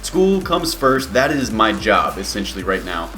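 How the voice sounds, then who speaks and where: A man's voice: lowish voice, normal speed. Young man chatting casually, music behind. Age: 20s. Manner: relaxed, rambling, many fillers. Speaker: YouTuber. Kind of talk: casual Q&A vlog.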